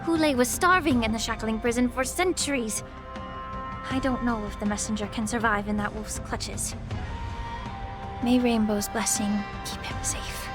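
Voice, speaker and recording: A woman voicing a poised, shrewd official in a video game, speaking in a formal, measured, courteous way. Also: on the high side, over music, close to an everyday voice. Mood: worried. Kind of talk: video game story dialogue.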